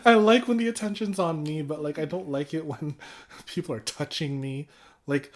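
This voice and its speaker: A young man hosting a podcast, chatting casually with a friend, animated and laughing often. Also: on the high side, normal speed. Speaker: podcast host. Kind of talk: casual chat.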